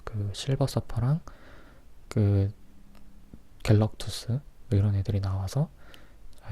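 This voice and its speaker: A man whispers a casual ASMR film review in a breathy, hushed voice, as if leaning in close to the listener. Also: lowish voice. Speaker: host of a film review series.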